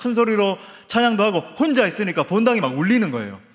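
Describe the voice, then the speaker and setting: A man's high-pitched voice with lively intonation, at a fairly quick pace. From Seoul. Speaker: pastor. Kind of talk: sermon. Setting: church. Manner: animated.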